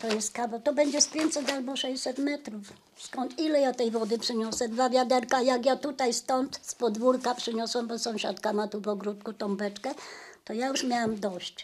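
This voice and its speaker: A woman talks at a moderate pace. Her pitch is high and her intonation fairly even. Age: 70s. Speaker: elderly resident. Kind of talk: testimony. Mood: upset, aggrieved. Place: home room.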